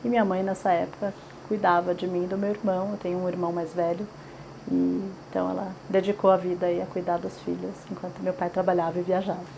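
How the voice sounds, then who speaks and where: A woman's voice: on the low side, little pitch movement, quick pace, vocal fry, warm tone, a little hiss or hum, low-quality recording. Chatty São Paulo woman reminiscing. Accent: Paulistano Brazilian Portuguese. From São Paulo, Brazil. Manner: chatty, frequent fillers and tag questions. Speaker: interviewee. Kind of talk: oral history interview.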